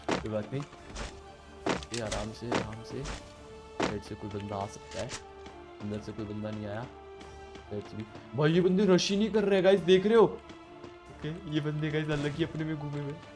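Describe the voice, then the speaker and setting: A young man with a sore throat, commentating his own gameplay in Hindi-accented speech, yelping when surprised and otherwise keeping his voice low. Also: normal speed. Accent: Indian Hindi. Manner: excitable, yelps loudly when surprised, speaks softly to spare his throat. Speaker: gaming YouTuber. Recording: game music and gunfire behind.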